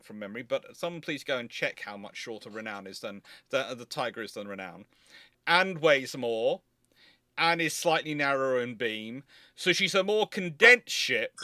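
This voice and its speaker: Guy hosting a livestream q&a, sharp bright voice, really dry close mic, rambles and stresses his points. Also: mid-range voice, no room sound. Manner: rambling, emphatic explaining with repeated phrases. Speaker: host of a naval history question livestream. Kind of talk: casual expert chat, answering questions.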